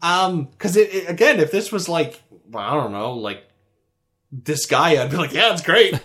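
A man's voice: a little high, normal speed, fairly bright tone. A man co-hosting a podcast in casual chat, rambling and hesitant with lots of laughter. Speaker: podcast co-host.

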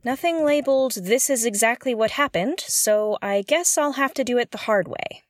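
In an audio drama, a woman plays a curious, jittery explorer alone on a derelict spaceship, intent and puzzled as she mutters to herself, hesitant and exclamatory. Her voice is a little high, natural and at a moderate pace, recorded at studio quality with no room sound.

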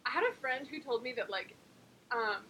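A woman's voice: sits high, animated, moderate pace, pushed and bright, a little hiss or hum, rough recording. A young woman from New Jersey co-hosting a podcast, rambling casually with lots of fillers. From New Jersey, USA. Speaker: podcast co-host. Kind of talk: casual chat.

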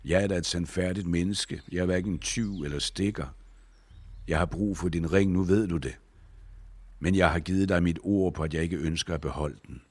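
A man's voice: low voice, husky, no echo. A man reading a proud, desperate male warrior from a book, his lines turning from coaxing to accusing. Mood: pleading. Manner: pleading then accusing, forceful. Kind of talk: read-aloud book dialogue.

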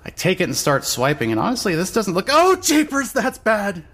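A man's voice: sits high, huge pitch swings, moderate pace, fairly bright tone, full character voice. An actor with a male-sounding voice playing a groggy, irreverent young trans woman with a casual, sardonic manner in a fan-dub audio drama. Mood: wry, uneasy. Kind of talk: scripted first-person dialogue and narration.

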